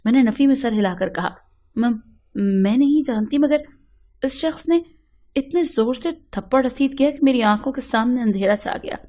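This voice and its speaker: A woman's voice: on the high side, darkish tone. A woman reading a sad first-person story aloud in an earnest, emotional manner.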